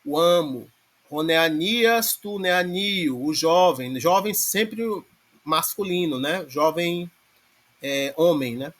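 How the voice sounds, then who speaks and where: Guy teaching a class online, patient, keeps checking everyone's following, kinda high voice. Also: slow, fairly bright tone. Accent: Brazilian Portuguese. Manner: explains patiently with many filler checks like "né?". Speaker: Greek language teacher. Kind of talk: online lecture on grammar.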